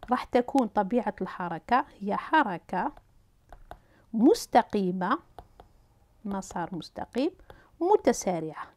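A woman's voice: mid-range voice, a little mellow. Algerian woman teaching physics step by step. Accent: Algerian Arabic. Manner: hesitant, with fillers and restarts, talking students through drawing. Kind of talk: whiteboard physics lesson.

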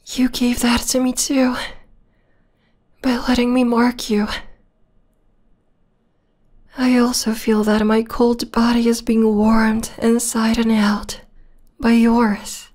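Woman doing a clingy obsessed vampire girl, asmr roleplay, soft whispery voice, kinda high and pretty even, sweet but creepy. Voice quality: soft, breathy, often whispering. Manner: slow, cooing, intimate, possessive. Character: obsessive, possessive young female vampire, sweetly menacing lover.

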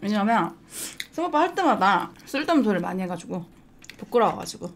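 A woman's voice: mid-range voice, very animated, fast. A young adult woman hosting an eating show, chatting frankly and telling stories between bites. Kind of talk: casual eating-show chat. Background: faint background music.

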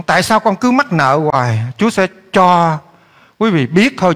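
A male pastor, preaching a lively sermon that swings between loud urging and quiet asides while he keeps questioning the congregation. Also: high-pitched. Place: church hall. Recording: echoey church hall.

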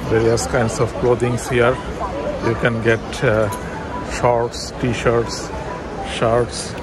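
A man giving a walking tour of a shopping mall, pointing out shops in plain, halting sentences with fillers. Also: mid-range voice, flat delivery. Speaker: travel vlogger. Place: busy shopping mall, indoors. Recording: loud crowd and mall noise behind.

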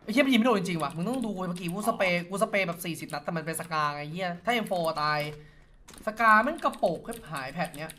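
Woman streamer on a headset, talks super fast, swears a lot, keeps repeating herself. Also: lowish voice, animated, a bit bright, a little hiss or hum. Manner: blunt, swears freely, repeats words fast. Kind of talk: casual gaming chat with teammates.

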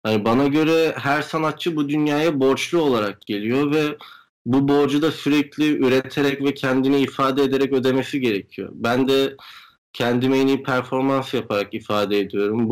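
A man's voice: medium pitch, steady tone, brisk, poor audio. A young man, a guest artist, explaining his work and views in an interview over a video call. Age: young adult. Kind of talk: interview answers, explanatory talk. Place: indoor room at home, video call. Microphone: video call microphone.

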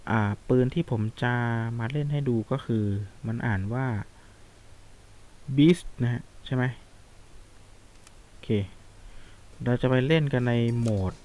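A man giving casual, chatty commentary while playing a mobile shooter game, reacting loudly to the action. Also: medium pitch, slow pace, pauses often. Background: game music.

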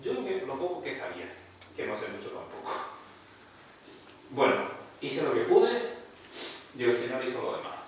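A man, a priest, telling a story in a sermon at a retreat, animated and acting out what people said. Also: medium pitch, moderate pace, long pauses, slight background noise. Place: retreat hall. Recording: echoey room, far from mic.

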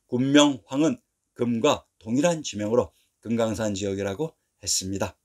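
Man reading a steady history narration. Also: medium pitch. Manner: steady, measured reading of dates and place names. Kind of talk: scripted narration.

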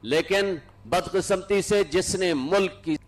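A man giving a measured, accusatory political speech. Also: high voice.

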